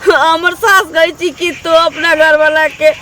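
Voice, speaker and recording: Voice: sits high, normal speed, sharp tone, a little hiss or hum. An actor playing a young grieving widow in a comedy sketch, speaking with a Maithili accent in a plaintive, wailing way. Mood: lamenting. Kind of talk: comic village sketch acting.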